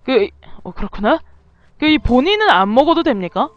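A woman's voice: sits high, big pitch swings, moderate pace, highs cut off. A woman casually commenting on a video game as she plays, chatting to the animals on screen. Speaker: game streamer. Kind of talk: casual let's-play commentary.

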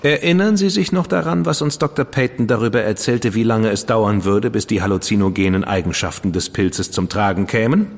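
An actor playing a witty, decadent dandy detective's partner in a German radio drama, flippant and ironic. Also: male voice, on the low side, a little fast, few pauses, long reverb tail. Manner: flippant, ironic, self-satisfied.

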